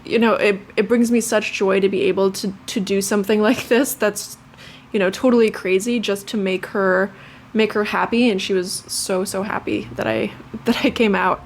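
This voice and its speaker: A woman's voice: mid-range voice, steady tone, normal speed, slight background noise. A young woman from Lithuania, a native Lithuanian speaker, chatting casually to camera as a vlogger, with many fillers and restarts.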